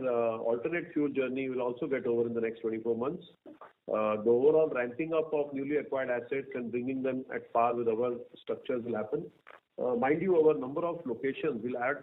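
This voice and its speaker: A man with an Indian accent speaking as a company executive, answering analysts in a halting way and repeating words. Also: medium pitch. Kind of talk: answering analysts on an earnings call. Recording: narrow tinny phone-line sound.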